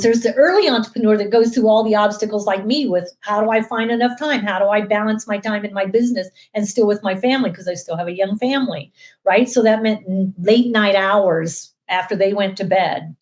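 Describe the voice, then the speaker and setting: Hardly any pauses break up this woman's fairly quick speech. She has an unremarkable speaking voice with a fairly high pitch. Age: 60s. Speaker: entrepreneur. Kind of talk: casual chat.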